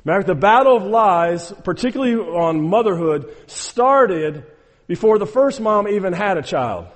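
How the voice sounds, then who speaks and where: A man's voice: high-pitched, animated, normal speed, in a large hall. A man preaching a sermon, emphatic and exhorting, repeating phrases and speaking straight to his listeners. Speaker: pastor.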